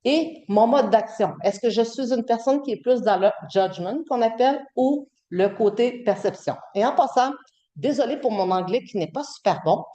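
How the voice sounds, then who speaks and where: A middle-aged woman with a Québécois French accent teaches a university class, chatty and full of fillers and restarts. Her voice is mellow and relaxed. The room around her is echoey. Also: on the high side, moderate pace. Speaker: guest lecturer. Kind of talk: classroom lecture.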